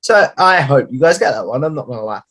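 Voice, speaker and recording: Chatty young podcast host. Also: male voice, mid-range voice, lively intonation, fast, a bit bright. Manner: chatty, friendly questioning with "like" fillers. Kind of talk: casual interview chat. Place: home room. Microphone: headset on video call.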